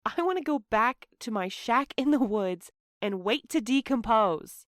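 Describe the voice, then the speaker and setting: A woman's voice: on the high side, expressive, measured pace, dry recording, studio quality. An actress playing a betrayed woman in an audio drama, weary, cold and sardonic. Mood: hurt, cold. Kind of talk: scripted audio drama dialogue.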